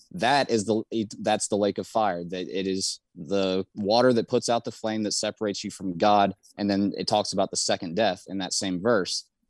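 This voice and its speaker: An unremarkable speaking voice, a man's, sits at a fairly low pitch with fairly even intonation and a moderate pace. The sound is dry and close with no echo, over a quiet background. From US South, Carolinas. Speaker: Freemason. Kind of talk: casual chat.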